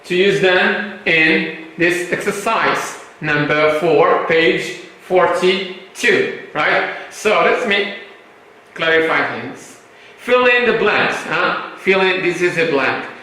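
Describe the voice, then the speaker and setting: Slow, echoey Moroccan English teacher. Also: male voice, high voice, pushed and bright. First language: Arabic. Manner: slow, repetitive explaining with tag questions. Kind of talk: classroom vocabulary lesson. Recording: very echoey room.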